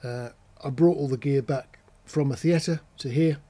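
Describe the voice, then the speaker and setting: A man's voice: mid-range voice, a little slow, dark tone. A man giving a casual explainer as a presenter, talking in a matter-of-fact, conversational way, step by step. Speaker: presenter of an audio gear channel.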